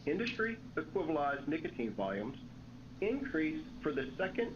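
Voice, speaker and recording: A man's voice: on the high side, big pitch swings, normal speed. A man reading scripted remarks as a company executive on an earnings call. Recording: dull lo-fi call audio, clear noise.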